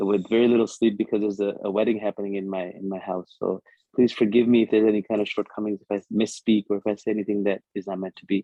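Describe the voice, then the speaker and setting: A man talks very fast with hardly any pauses, his fairly low voice flat and monotone while his loudness swings widely. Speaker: clinical psychologist. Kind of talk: lecture. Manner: halting, many fillers.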